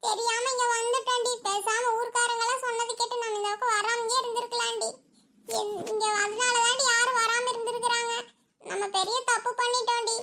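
A woman's voice: very high-pitched, flat delivery, brisk, pushed and bright. A woman voicing a frightened, bossy elder sister in a village cartoon. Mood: scared. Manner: scolding, panicky, calls everyone "di". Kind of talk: cartoon voice acting.

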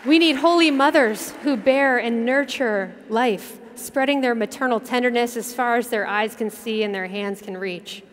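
A woman in her thirties, a religious sister, giving an inspirational keynote speech from an arena stage in a measured, earnest way with dramatic pauses. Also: fairly high pitch, some chatter behind. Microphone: headset mic at a podium. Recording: long arena reverb.

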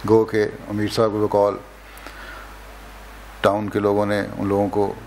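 Solemn older man giving a slow sermon. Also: lowish voice, completely flat delivery, darkish tone, slight background noise, rough recording. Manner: slow, measured, solemn delivery with long pauses. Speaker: religious leader giving an address. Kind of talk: sermon at a mosque opening. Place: indoors, mosque hall lectern. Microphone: lectern microphone, close.

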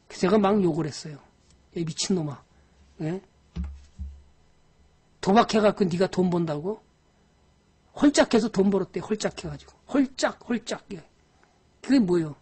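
Husky woman scolding investors. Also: fairly low pitch, a little mellow. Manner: scolding, exasperated, with frequent sighs; chats directly with viewers. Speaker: stock investing lecturer. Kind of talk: live-streamed investing lecture.

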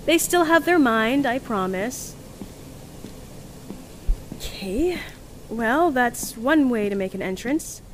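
Audio drama: polite, gushing young woman scientist type, fairly high voice, very animated. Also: slow, pauses often, slight background noise, poor audio. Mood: mildly exasperated. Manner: bubbly, gushing, hesitant when flustered. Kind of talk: audio drama, recorded diary.

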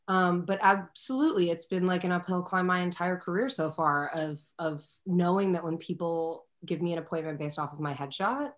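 A young woman, an actor, talking candidly and animatedly with fillers as a guest on a video call from a room at home. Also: on the low side. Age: young adult. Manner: animated, expressive, talks fast with many fillers. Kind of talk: candid conversational interview. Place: home room with a window, indoors. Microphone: laptop webcam on a video call.

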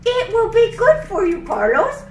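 A woman voicing a kindly, excitable teacher puppet in a children's church show, explaining things simply and emphatically with exaggerated cheer. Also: very high-pitched, normal speed, full character voice. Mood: gentle, instructive. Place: indoor church room, puppet stage. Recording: roomy, echoing church room.

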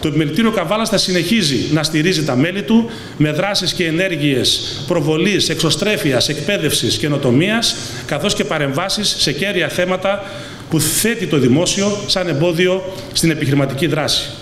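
Male speaker, measured formal delivery, slightly high voice, roomy hall. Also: a bit bright. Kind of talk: formal read speech. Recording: echoey hall, faint noise.

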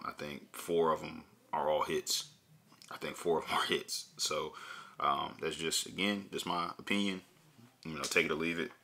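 A man's voice: extremely low pitch, gravelly, sharp tone, slightly rough. A young man hosting a bowling channel, chatting casually at home with a laid-back, rambling manner and many fillers. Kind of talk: casual review chat. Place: home room with shelves, indoors.

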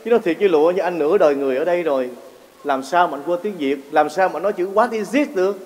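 An actor with a Southern Vietnamese accent playing a returned overseas Vietnamese man who protests excitably and slips into English words. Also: sits high, very fast, natural voice. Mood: protesting. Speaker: comic actor on stage. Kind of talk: stage comedy sketch. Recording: roomy, distant mic with noise.

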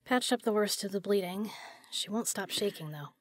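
A woman acting as a tough female spy with a mid-pitched voice. She is brisk and commanding with a caring side, played in the intimate manner of an audio drama. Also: no echo, natural voice.

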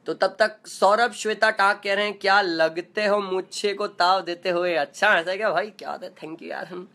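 Fast-talking man with a high voice. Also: steady tone, pushed and bright. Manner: fast, non-stop chatter; playful, joking. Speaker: singer hosting a live chat. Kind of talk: casual live video chat reading comments.

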